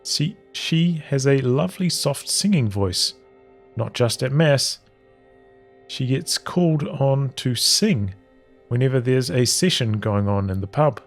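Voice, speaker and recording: A man with a mid-pitched voice reads a story aloud at a slow pace. His phrasing is measured and halting, with pauses between short phrases. Faint music plays behind him. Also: expressive. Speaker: streamer reading a visual novel aloud. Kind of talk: read-aloud storytelling of journal entries.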